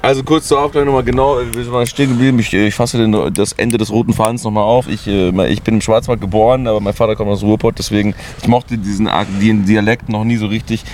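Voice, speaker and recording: A man's voice: fairly low pitch, steady tone, fast, few pauses, darkish tone. Guy from the black forest, crude jokey podcast banter, light hiss behind him. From Black Forest, Germany. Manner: crude joking, laughs a lot. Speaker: band member guest. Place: outdoors behind a van at night.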